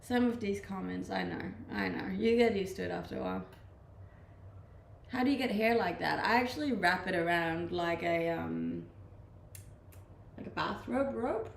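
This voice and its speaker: A young woman from Denmark speaks with a slight Danish accent, blended from the many countries she has lived in. She chats easily with her viewers and laughs often, and her voice has a gravelly edge. The room sounds echoey, with faint noise behind her. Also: lowish voice, normal speed. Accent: slight Danish, mixed from living abroad. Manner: laid-back, chatty, often laughing. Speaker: streamer. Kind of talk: casual chat reading live comments.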